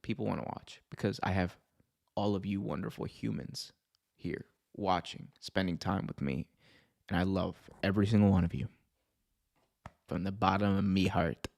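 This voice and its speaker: A man's voice: deep voice, normal speed, vocal fry, darkish tone. A man with a North American accent hosts a casual livestream, chatting with viewers in slangy, sweary language and often breaking into laughter. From United States. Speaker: wrestling show host and livestreamer. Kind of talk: casual livestream chat reacting to viewer comments.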